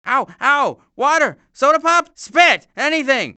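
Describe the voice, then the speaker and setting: A man voicing a fretful, long-suffering turtle in an animated video game. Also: very high voice, a little slow, heavily acted. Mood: agitated. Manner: fretful, exasperated, hesitant.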